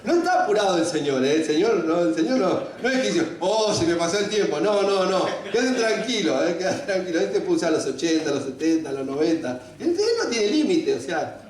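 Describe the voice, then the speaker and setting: A male pastor with a Rioplatense Spanish accent delivers a lively, joke-filled sermon, slipping into little voices for his characters. His voice sits high and swings widely in pitch. He is heard from some distance across a large, strongly echoing hall. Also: a little fast, few pauses. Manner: animated, jokey storytelling, acts out voices. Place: large hall at a men's conference. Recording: echoey hall, voice from far off.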